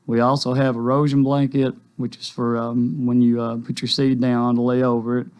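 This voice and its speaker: A man's voice: mid-range voice, flat delivery, moderate pace, a little mellow, smooth. A man, a rental store guest on a radio interview, answering politely and eagerly. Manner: polite, eager, says "yes, sir".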